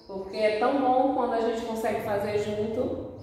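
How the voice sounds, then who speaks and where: A woman's voice: fairly high pitch, steady tone, moderate pace, dark tone. A woman teaching young children in a recorded lesson, patiently sounding out words syllable by syllable and asking the pupils questions. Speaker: primary school teacher. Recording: echoey room, voice far from mic.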